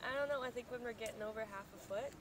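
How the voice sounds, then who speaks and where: A young woman giving soft, measured answers on a campus lawn in a street interview. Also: on the high side. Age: young adult.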